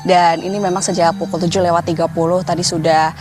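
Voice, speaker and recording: A woman's voice: fairly low pitch, flat delivery, fast, music in the background. A woman reporter giving a live news report from an outdoor event and interviewing guests, with hesitant fillers. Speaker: field reporter. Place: outdoors at a cemetery.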